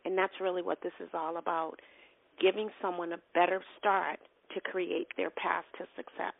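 Heard over a tinny, phone-like line with no echo, this earnest Boston woman, middle-aged and with a local accent, is a nonprofit president being interviewed. She often repeats and restarts her phrases. Her lowish voice has vocal fry, little pitch movement, and a moderate pace.

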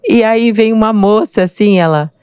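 A woman's voice: mid-range voice, normal speed, darkish tone, clean tone, no room sound, studio quality. Woman co-host, casual, laughing through a personal story. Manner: laughing, anecdotal. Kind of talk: casual chat.

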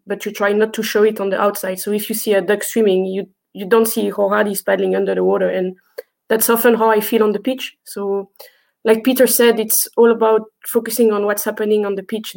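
A woman's voice: mid-range voice, a little mellow. Belgian woman with a mid-range voice. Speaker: interview guest, field hockey umpire. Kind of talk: conversational interview answers.

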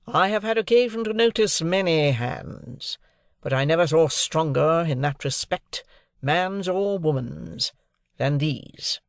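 A man voicing a cool, imperious older male lawyer who speaks in a measured, commanding way. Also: on the high side, animated, creaky, dry recording, studio quality, pitched above the performer's own voice. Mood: appraising.

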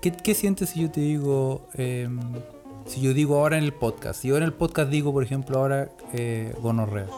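A man's voice: mid-range voice, normal speed, dark tone. Chilean man, podcast co-host, teasing playful chat, light music behind.

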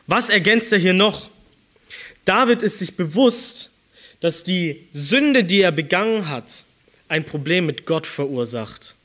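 A man's voice: high-pitched, pushed and bright. A young man preaching a sermon in German, reading scripture with rising emphasis and explaining it earnestly.

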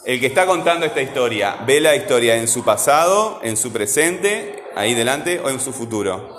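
A man's voice: mid-range voice, lively intonation, moderate pace, a bit bright. Male teacher, questioning classroom manner; roomy, slightly noisy room sound. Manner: questioning, coaxing students with repeated checks. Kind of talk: classroom grammar lesson. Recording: roomy classroom echo, faint ambient noise.

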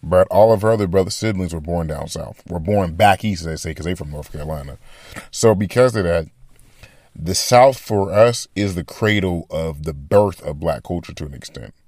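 Podcast host, man, deep voice, loose thinking-aloud monologue, dead dry mic. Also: a little mellow, no room sound. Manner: rambling, thinking aloud with restarts. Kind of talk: casual commentary monologue.

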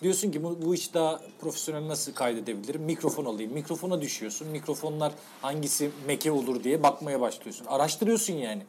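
Guy on a chatty podcast, kinda high voice, jokey but acting serious, slight background noise. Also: quick pace, hardly any pauses, a little mellow. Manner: playful, mock-serious, colloquial. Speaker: podcast co-host. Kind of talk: casual banter with a friend. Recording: faint background noise, room ambience.

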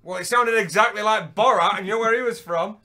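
A man's voice: sits high, fast talker, pushed and bright. A man co-hosting a comedic show, throwing in teasing, dry quips and calling his partner "mate.". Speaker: co-host. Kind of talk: banter.

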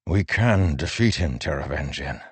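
A man voicing a stern, burdened middle-aged warlord who speaks in a firm, measured, grave way. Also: a bass voice, lively intonation, slightly rough, dry recording, full character voice. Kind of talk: audiobook character voice.

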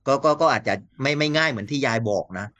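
Brief: male commentator, mid-pitched, dry close sound, lively casual political talk. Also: fast talker, no echo. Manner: animated, mimics quotes, laughs often.

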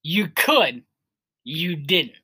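A man's voice: fairly high pitch, very animated, extremely slow, pushed and bright, husky, no room sound, studio quality. A man in his early twenties co-hosting a podcast, telling a story in a rambling way with lots of filler words. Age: 20s. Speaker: podcast co-host. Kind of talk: casual chat.

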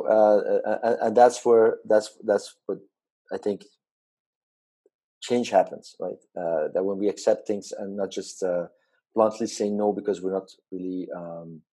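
Husky, mellow-voiced man hosting an interview. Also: on the low side. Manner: halting, many ums and restarts, frequent tag questions. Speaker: interview host. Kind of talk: conversational interview.

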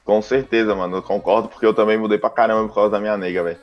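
Brazilian podcast host, kinda low voice, slangy n chill, muffled lo-fi sound, faint music. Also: male voice, fairly even intonation, racing. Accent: Brazilian Portuguese. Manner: slangy, laid-back. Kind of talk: casual chat. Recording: dull lo-fi audio.

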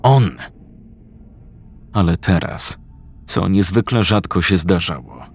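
Low gravelly male horror narrator. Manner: slow, measured storytelling. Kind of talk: scripted horror story narration.

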